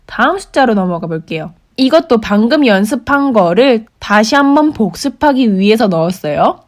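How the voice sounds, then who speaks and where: A young woman giving a patient, clear lesson on saying prices in English, slowing down to model each word. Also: a little high, lively intonation. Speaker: English teacher for working holiday makers. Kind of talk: explanatory language lesson.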